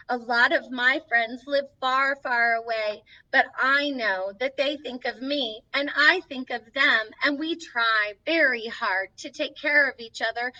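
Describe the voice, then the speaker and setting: A woman's voice: sits high, sharp tone, exaggerated voice. A woman playing Snow White as a sweet, encouraging young princess, hosting a children's story time with sing-song, reassuring delivery, recorded from a distance with slightly dull sound. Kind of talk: children's storytelling, reading a picture book aloud.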